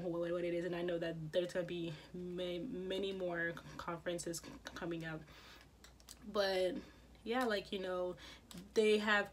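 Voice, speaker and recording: A woman's voice: lowish voice, a little hiss or hum. A woman vlogger who stutters, repeating sounds and words, talking casually to camera with many fillers. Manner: many fillers, soft-spoken.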